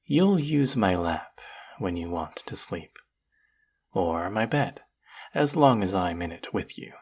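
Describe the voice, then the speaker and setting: Sadistic sorcerer, acted by a performer, deep creaky voice, unhurried, breathy, gloating, syrupy teasing, cooing at a captive pet, fantasy audio roleplay. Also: big pitch swings, a little mellow, full character voice. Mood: possessive, cooing. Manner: teasing, mock-sweet baby talk, sighs. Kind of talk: roleplay audio drama acting.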